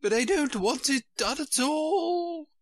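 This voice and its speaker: A man voicing the helpless, untidy old White Queen in a storybook reading, in a high, wailing, fretful voice. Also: lively intonation, slow pace, heavily acted.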